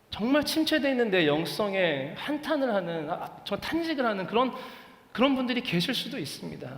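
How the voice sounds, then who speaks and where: A man's voice: a little high, a bit bright. A man in his thirties preaching a sermon as pastor, earnest and pleading, rising to fervent emphasis. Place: church sanctuary. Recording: echoey church hall with long reverb.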